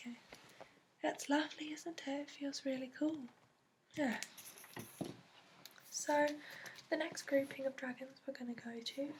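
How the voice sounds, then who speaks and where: High, soft whispery woman in ASMR roleplay. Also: a little hiss or hum. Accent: put-on accent. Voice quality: soft, breathy, often whispery. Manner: gentle, halting, unhurried explaining with many pauses. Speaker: ASMR roleplay host playing a dragon expert. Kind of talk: softly spoken ASMR roleplay, explaining like a guide.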